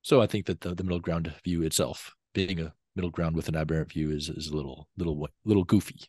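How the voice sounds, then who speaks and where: Young guy w/ a cough, really low voice, dry close mic, talks it through slow with lots of ums. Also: fairly even intonation, a little mellow, slightly rough, dry recording. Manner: measured, explains in steps with frequent ums. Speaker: guest scholar. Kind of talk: explanatory interview talk. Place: home study with bookshelves. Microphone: video call with a desk mic.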